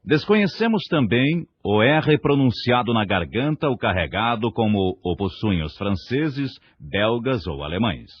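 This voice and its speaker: A man's voice: lowish voice, sing-song, measured pace, hardly any pauses, husky, no echo. A man from Brazil narrating a scripted diction lesson, articulating every syllable with care. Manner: careful, precise articulation. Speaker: diction teacher. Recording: dull lo-fi recording.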